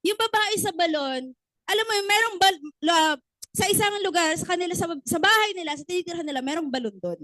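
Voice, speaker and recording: A woman's voice: very high voice, lively intonation, brisk, pushed and bright, dry recording, rough recording. A woman giving a motivational business training talk, often asking the audience questions and acting out little stories.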